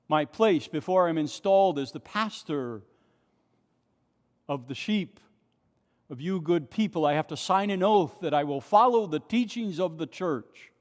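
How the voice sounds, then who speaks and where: A male pastor preaching an impassioned sermon at a pulpit microphone in a large, nearly empty church, asking rhetorical questions. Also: fairly high pitch. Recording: long church reverb.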